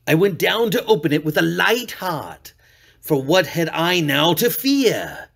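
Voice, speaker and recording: A man performing a dramatic storybook reading as an unhinged murderer, theatrical, sliding from hushed purring to shrieks. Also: a little high, sing-song, measured pace, vocal fry, husky, full character voice. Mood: sly, gloating. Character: unhinged male murderer, gloating and paranoid, classic villain. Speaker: reader.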